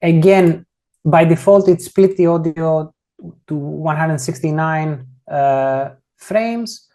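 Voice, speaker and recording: Instructor on a video call going through code step by step, warm mellow tone, keeps rephrasing, laid back. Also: medium pitch, slow pace. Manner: casual, explains step by step while working through code; frequently rephrases and corrects itself mid-sentence. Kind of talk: online coding tutorial.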